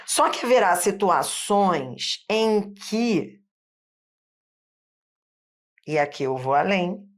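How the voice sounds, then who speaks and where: Slow patient Carioca woman teacher. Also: mid-range voice, lively intonation. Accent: Carioca Brazilian Portuguese. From Rio de Janeiro. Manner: slow, patient, explaining step by step with checks like "tá?". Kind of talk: online phonetics lesson at a board.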